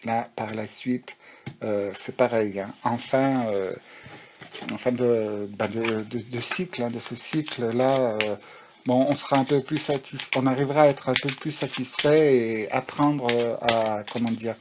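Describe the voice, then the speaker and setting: A man's voice: mid-range voice, fairly even intonation, a little slow, noisy background. A man giving a casual spiritual tarot reading, rambling, with many fillers and restarts. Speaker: tarot card reader. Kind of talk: casual spiritual guidance talk.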